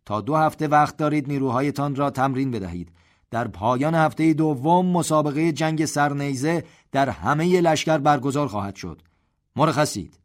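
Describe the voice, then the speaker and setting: A man voicing a proud, white-haired army general who gives orders in a raised, loud voice. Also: medium pitch, voice pushed up, close to an everyday voice. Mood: commanding.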